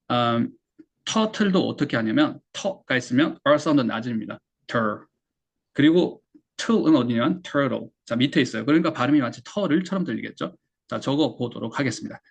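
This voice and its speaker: A man's voice: medium pitch, creaky, slightly rough. A man teaching English pronunciation in Korean, explaining step by step, answering his own questions, and repeating English words aloud to demonstrate. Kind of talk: online English pronunciation lesson.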